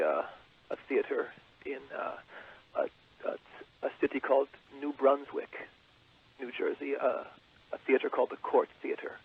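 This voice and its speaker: A man playing a boastful, self-important rock frontman who calls in, halting with fillers. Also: medium pitch, creaky, slightly rough, heavily acted. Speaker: caller. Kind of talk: comedic call-in character. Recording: tinny phone line with hiss.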